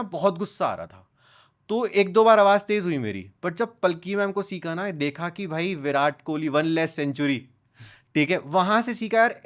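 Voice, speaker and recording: A young man, a podcast guest, talking in a casual conversation and telling animated stories as he switches between Hindi and English. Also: sits high, smooth. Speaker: podcast guest, content creator.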